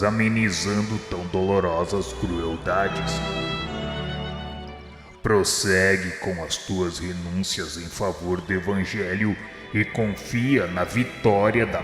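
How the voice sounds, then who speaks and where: An actor playing Jesus in a radio drama as a grave, merciful divine master, speaking in measured, formal oratory. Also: male voice, sits low. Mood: merciful, assuring. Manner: measured, solemn, preaching declamation. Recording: echoey reverberant hall sound, music underneath. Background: music.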